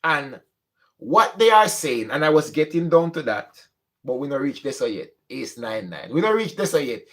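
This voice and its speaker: A man's voice: on the high side, sing-song, normal speed. A young man from Jamaica with a strong Jamaican accent, chatting casually to his channel and slipping between standard English and patois. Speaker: channel host. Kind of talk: casual vlog monologue.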